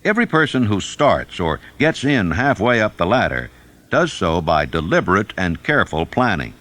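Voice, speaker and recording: A man narrates a self-help audiobook in a fairly low voice. His pitch moves widely as he reads, and he lays out each point with deliberate emphasis. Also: sing-song, a bit bright.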